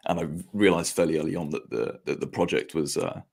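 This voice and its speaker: A nineteen-year-old man with a croaky voice, chatting hesitantly as a guest on a podcast with many restarts. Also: brisk, darkish tone. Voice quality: croaky deep voice. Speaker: guest, media founder. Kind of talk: casual podcast chat.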